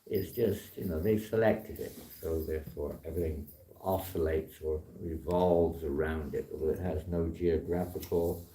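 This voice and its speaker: A man with a hoarse voice giving an informal temple talk with dry, wry humor. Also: rumbling low, fairly even intonation, normal speed, hardly any pauses, dark tone. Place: temple hall. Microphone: distant room mic, later handheld. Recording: echoey hall from far off.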